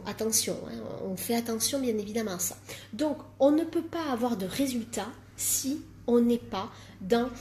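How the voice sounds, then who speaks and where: Emphatic woman life coach, fairly high voice. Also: darkish tone, slight background noise. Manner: emphatic, repeats words for stress, jokes at herself. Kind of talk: live-streamed coaching talk.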